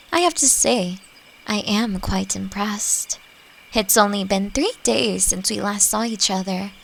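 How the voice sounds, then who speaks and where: A woman playing a friendly, playfully teasing elf who teaches magic, speaking gently and reflectively in a roleplay audio drama. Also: medium pitch, creaky, slight background noise, low-quality recording. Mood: impressed. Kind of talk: scripted roleplay audio drama addressed to the listener.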